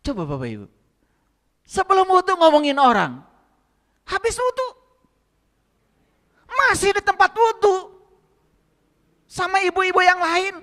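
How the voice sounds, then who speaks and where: A man's voice: very high-pitched, pushed and bright, long reverb tail. A man giving a spiritual lecture to a congregation, often asking them rhetorical questions and speaking to them directly. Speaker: religious lecturer.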